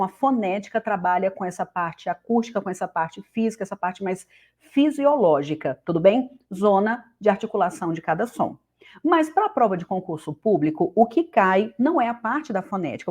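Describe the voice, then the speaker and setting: A woman teacher with a Brazilian Portuguese accent explains grammar in a casual online lesson. She talks straight to the viewer in a chatty way and keeps checking in with quick questions. Her voice is close to the mic. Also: medium pitch, animated, a little mellow.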